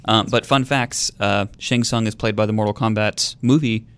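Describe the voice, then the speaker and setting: Man, podcast panelist, low voice, smooth resonant tone, hesitant, repeats words. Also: steady tone, moderate pace, no room sound. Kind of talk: casual panel chat.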